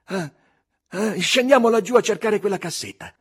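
A man voicing a scrappy young boy sidekick who talks with wide-eyed wonder, with a husky voice. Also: high voice, moderate pace, pitched above the performer's own voice. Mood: hopeful. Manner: wondering, excitable.

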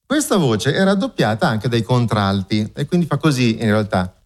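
A man's voice: medium pitch, very animated, normal speed. A man giving a spoken music lesson at the piano, explaining the piece and often checking in with a questioning "no?". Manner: explanatory, often asks "no?", frequent hesitations. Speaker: music lecturer. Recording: piano playing heard throughout. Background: loud piano music.

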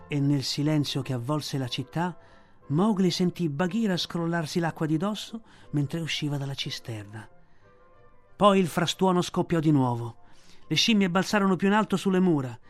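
A man reading a children's classic aloud for a radio audiobook, with measured, vivid storytelling. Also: on the high side. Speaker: reader.

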